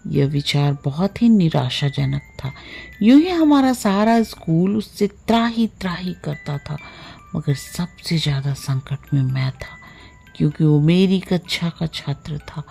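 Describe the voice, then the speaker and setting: Low, slow woman storyteller with a gravelly edge. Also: dark tone. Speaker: audiobook narrator. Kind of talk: literary short story narration.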